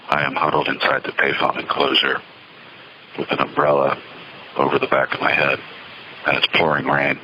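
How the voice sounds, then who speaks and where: A man giving a halting, reflective, rambling monologue on a payphone call from an outdoor phone enclosure, with a slightly noisy line. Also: rumbling low, dull audio. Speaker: solo caller recording monologues from payphones.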